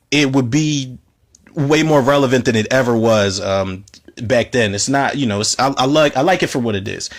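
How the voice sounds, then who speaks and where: A man with a slightly hoarse voice, hosting a casual movie commentary podcast, rambling and cursing as he talks. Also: medium pitch, a bit bright. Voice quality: rambling, profane, self-interrupting.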